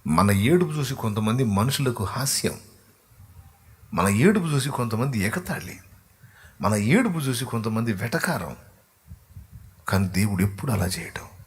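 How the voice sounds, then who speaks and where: A male pastor preaching quickly and softly between slow sung devotional lines. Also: medium pitch, animated, breathy edge. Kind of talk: sermon with sung worship. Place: church livestream.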